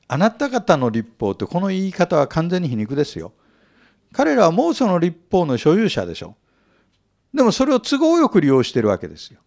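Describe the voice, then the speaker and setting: A male Bible teacher lectures in an animated, explanatory way, putting rhetorical questions to his listeners. His voice sits fairly high and has a gravelly texture.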